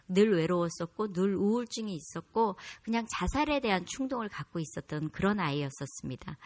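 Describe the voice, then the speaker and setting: A woman in her fifties, a comedian, giving a candid personal testimony to a church congregation, telling her story with self-deprecating humor and a calm, low delivery. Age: 50s.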